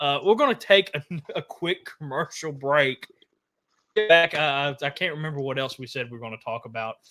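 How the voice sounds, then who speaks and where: A fairly high-pitched man with a Mississippi accent, a bright, sharp tone, ordinary pitch variation and a moderate pace, in a dry, close sound with no echo. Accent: US Southern (Mississippi). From southern Mississippi. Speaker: political podcast host. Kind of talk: casual political chat. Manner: halting, many fillers.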